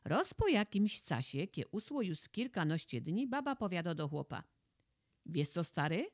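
Lively highlander woman telling a folk tale. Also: normal speed, no echo, studio quality. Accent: Polish highlander (Podhale). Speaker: storyteller. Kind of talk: folk tale told in dialect.

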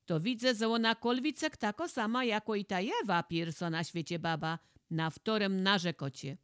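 A woman with a Podhale highlander accent voicing a stern old village lord who mocks and scolds in a folk tale. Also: normal speed, clear, resonant tone, dry recording, studio quality, lightly acted. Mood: scolding. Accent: Polish highlander (Podhale). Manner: mocking, scolding.

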